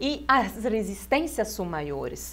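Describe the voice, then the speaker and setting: In an Italian accent, the speaker talks very slowly with vocal fry. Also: woman. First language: Italian (speaking Portuguese). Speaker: law professor. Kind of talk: TV interview. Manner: hesitant, many filler sounds.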